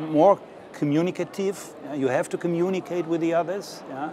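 A man with a German accent speaks at a moderate pace in a fairly high voice with ordinary pitch variation, over noticeable background noise. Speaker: foundation director. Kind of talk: panel discussion. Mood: earnest, explanatory. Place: hall. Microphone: lapel.

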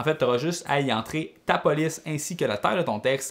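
Speaking at a fairly quick pace with a Quebec accent, a man uses a fairly high pitch and ordinary pitch variation. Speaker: blogging course instructor. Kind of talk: tutorial. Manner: informal, direct address. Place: home room.

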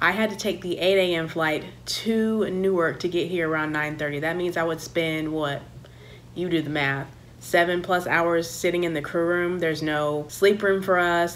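The voice is an unremarkable speaking voice with fairly even intonation. Light background noise sits behind it. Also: woman, fairly low pitch for a woman, moderate pace. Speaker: flight attendant vlogger. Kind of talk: casual vlog chat. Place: home room. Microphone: phone near.

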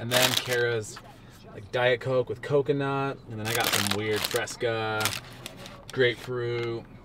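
A man speaking at a fairly slow pace, the sound dry with no echo, against loud background noise. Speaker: parent vlogger. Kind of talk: casual vlog chat. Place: car. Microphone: phone near.

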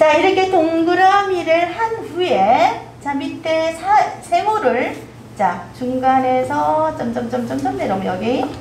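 A woman's extremely high, very slow voice with a slight Gyeongsang accent and very wide pitch swings, amid audible room echo and light background noise. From Gyeongsang region, Korea. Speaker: painter and art teacher; art teacher. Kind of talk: tutorial. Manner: animated. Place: home room.

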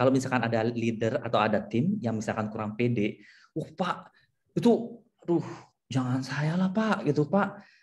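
Against a quiet background, a somewhat breathy man at a medium pitch speaks at a moderate pace with very wide pitch swings. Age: young. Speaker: CSR professional and workshop speaker; workshop trainer or coach. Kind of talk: online workshop talk. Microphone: video call.

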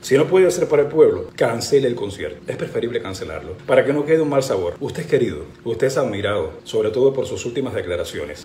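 A man is heard with audible room echo. Light background noise is present. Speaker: radio announcer. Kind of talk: direct-to-camera open message. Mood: earnest, warm appeal. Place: home room. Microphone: phone near.

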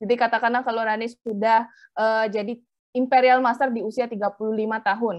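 Her pitch is fairly high and her intonation monotone and flat. The woman speaks at a moderate pace against a quiet background. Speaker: interpreter. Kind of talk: consecutive interpreting of a business lecture. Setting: video call. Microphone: earbuds.

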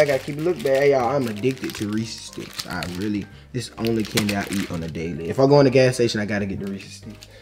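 Over clear background music, a man speaks very fast. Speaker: vlogger. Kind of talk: casual vlog chat. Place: kitchen. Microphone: camera far.

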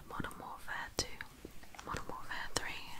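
A whispering woman at a moderate pace. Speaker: ASMR artist. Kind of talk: ASMR video. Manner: whispered. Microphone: studio mic.

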